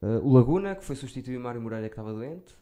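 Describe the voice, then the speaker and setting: A male comedian with a European Portuguese accent in casual conversation. He talks quickly at a medium pitch, in a slangy, storytelling way. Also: expressive, dark tone. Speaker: stand-up comedian. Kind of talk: casual banter between comedians.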